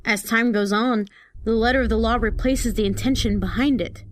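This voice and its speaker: A woman's voice: fairly high pitch, steady tone, normal speed, soft background music, natural voice. A woman playing a philosophical student in an audio drama, articulate and grave. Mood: grave, insistent. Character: pointed, philosophical female student.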